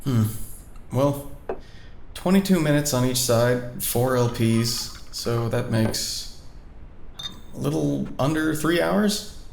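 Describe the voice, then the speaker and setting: A man playing an awkward, dry-witted young character in an audio drama, speaking in a hesitant, deadpan way. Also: mid-range voice, slow, vocal fry, long pauses, reverberant, a little hiss or hum. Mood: easygoing. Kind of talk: naturalistic audio drama dialogue.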